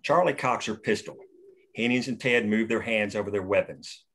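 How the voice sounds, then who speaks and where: A man reading screenplay stage directions at a table read in a steady, matter-of-fact way. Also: lowish voice, normal speed, slightly rough. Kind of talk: reading screenplay action lines.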